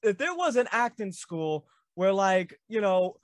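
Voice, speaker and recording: A man's voice: high-pitched, sing-song, measured pace, dry recording, clean studio sound. A man in his thirties hosting a video-call interview, eager and fan-like, with frequent stumbles and restarts. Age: 30s. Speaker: podcast host.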